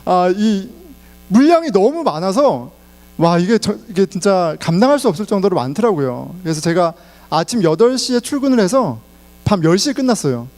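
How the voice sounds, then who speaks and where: A man's voice: high-pitched, very animated, moderate pace, darkish tone. A middle-aged man preaching a sermon in Korean, telling personal stories and laughing along the way. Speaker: pastor.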